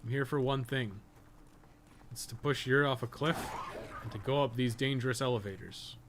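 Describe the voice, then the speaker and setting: Steady in tone and at normal speed, a mid-range male voice chats on a live game stream with game audio behind it. The streamer and podcast co-host is wry and rambling, with loose, profane wording.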